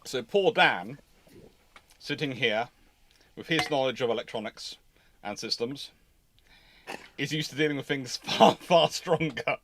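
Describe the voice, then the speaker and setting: A man's voice: mid-range voice, unhurried, long pauses, a bit bright, slight background noise. A British man hosting a casual live question-and-answer stream, thinking aloud and wandering into digressions. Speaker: host answering viewer questions on a livestream.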